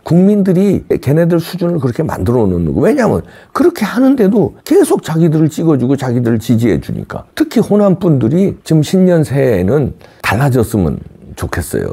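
Husky, animated male political commentator. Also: medium pitch. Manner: emphatic, acts out quoted voices; insulting, scolding.

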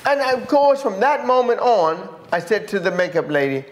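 A woman's voice: medium pitch, moderate pace. An older woman with an American accent, a singer chatting as an interview guest, telling stories with lots of restarts and repeated words. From USA. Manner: animated storyteller, frequent restarts and repeated words. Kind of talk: casual interview chat.

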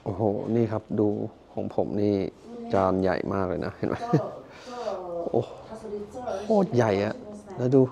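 A Thai man talking casually to camera in a travel vlog, chatty and quick to exclaim and laugh, filmed in a small noodle shop and on a road through the mountains. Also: on the low side, creaky, dull audio, a crowd in the background. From Thailand. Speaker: travel vlogger.

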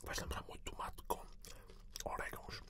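A man in his forties with a European Portuguese accent, whispering breathily in short, unhurried remarks for an ASMR chip tasting. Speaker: host of an ASMR snack tasting video. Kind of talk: whispered ASMR food review. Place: small indoor setup with black curtain.

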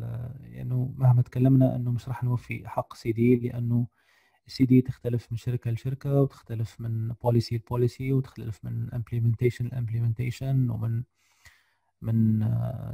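Tired man with a gravelly, dark voice. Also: mid-range voice, no room sound. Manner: hesitant, many fillers, mixes English terms. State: tired, slightly unwell voice. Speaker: guest lecturer. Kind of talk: screen-share software lesson.

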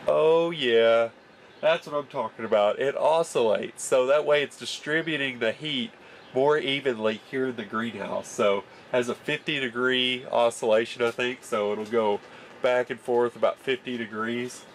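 A man's voice: mid-range voice, normal speed, slight background noise, low-quality recording. Nasal young man with a cold. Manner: chatty and enthusiastic, explains step by step. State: stuffy nose from a cold. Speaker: gardening channel host. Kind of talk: casual how-to vlog. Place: small greenhouse. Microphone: camera mic at close range.

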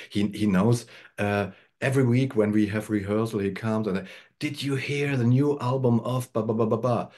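German man, low voice, halting English. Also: a little mellow. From Eastern Germany. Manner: halting, searching for words, frequent restarts; gestures with hands while talking. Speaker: band member, guest. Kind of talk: casual video-call interview. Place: home room with bookshelves. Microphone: video call webcam.

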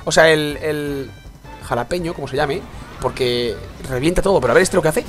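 A young man, commenting on a mobile game he is playing, congested and sore-throated from a cold, swinging between low muttering and excited outbursts. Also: brisk, faint music behind. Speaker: gaming YouTuber. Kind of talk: let's play commentary.

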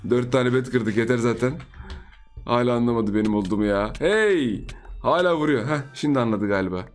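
A young man giving excitable, teasing gameplay commentary as a gaming YouTuber, laughing often. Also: mid-range voice, fairly quick, soft background music.

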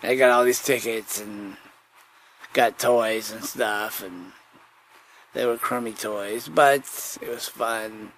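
A man's voice: lowish voice, steady tone, takes it slowly, a bit bright, poor audio. A man hosting a podcast with a rambling comic monologue, often repeating his phrases. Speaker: podcast host. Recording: noticeable background noise.

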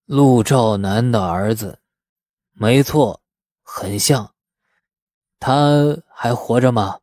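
A man voicing a frail, suspicious patriarch of nearly a hundred for an audiobook, hoarse, halting and muttering. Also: mid-range voice, a little mellow, dry recording, clean studio sound. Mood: probing. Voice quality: hoarse, aged. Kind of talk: audiobook character voice.

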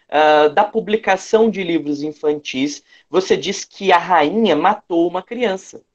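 Male Brazilian teacher, didactic read-and-explain delivery, fairly high pitch, dull lo-fi video-call sound. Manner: didactic, repeats phrases for emphasis. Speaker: English teacher. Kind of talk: online lesson, reading aloud and explaining a fairy tale. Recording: dull, lo-fi online call audio.

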